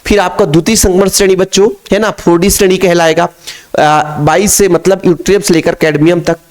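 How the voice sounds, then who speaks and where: A man's voice: high voice, steady tone, fairly quick. A man teaching chemistry as a classroom lecture, repeating points and coaxing the students along. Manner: repetitive, coaxing, keeps addressing the students.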